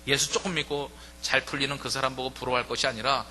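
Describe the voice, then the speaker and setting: A man's voice: medium pitch, steady tone, quick pace, sharp tone, long reverb tail, slight background noise. A man pastor giving a conversational sermon, acting out quoted voices as he preaches. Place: church sanctuary.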